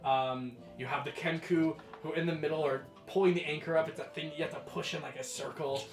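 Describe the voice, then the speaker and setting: A young man narrating as game master of a tabletop game, rambling with many fillers and quick bursts. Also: fairly high pitch, steady tone. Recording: echoey room with music behind.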